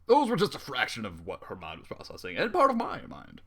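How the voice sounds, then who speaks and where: A man's voice: medium pitch, huge pitch swings, a little fast, bright, forceful tone, slightly rough. A man reading fan fiction aloud with running commentary, exasperated and sarcastic, swearing often.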